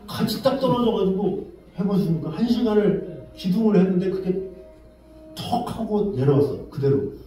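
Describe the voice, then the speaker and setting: A man preaching a sermon, telling an everyday story with lively exclamations and then drawing a lesson from it. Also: sits high, moderate pace, soft background music. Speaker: pastor. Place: church sanctuary. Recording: very echoey, distant from the mic.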